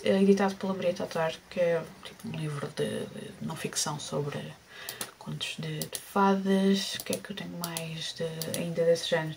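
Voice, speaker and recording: A woman's voice: lowish voice, a little hiss or hum. A woman with a European Portuguese accent chatting casually and unscripted about books, hesitating and rephrasing as she goes. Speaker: book vlogger. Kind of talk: casual unscripted book chat.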